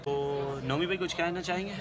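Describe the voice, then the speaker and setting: A man's voice: sits high, loud music behind the voice. A young man in his twenties with a Pakistani Urdu accent, chatting and joking to a phone held at arm's length while at work on a call center floor. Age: 20s. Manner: chatty, joking, drawn-out pace. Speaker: vlogger, call center agent. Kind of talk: casual selfie vlog. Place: indoors, busy open-plan call center floor at night. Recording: loud crowd chatter behind. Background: chatter of a crowded office.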